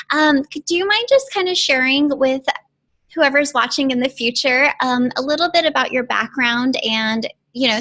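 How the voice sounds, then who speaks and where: A woman's voice: sits high, pushed and bright. A woman career coach asking her client questions in an encouraging, enthusiastic way. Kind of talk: upbeat interview questions.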